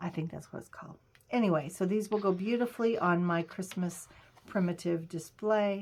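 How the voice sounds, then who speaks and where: A woman with an unremarkable speaking voice talks at a moderate pace and medium pitch, her intonation fairly even but her loudness swinging widely. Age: 60s. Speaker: crafting YouTuber. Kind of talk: casual haul video talk.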